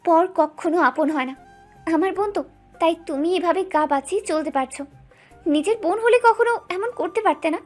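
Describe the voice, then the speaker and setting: A fiery young wife in an audio drama, her voice pitched very high and her words biting and accusing. Soft music plays faintly underneath. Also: moderate pace. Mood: angry. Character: hot-tempered young wife, sharp and accusing.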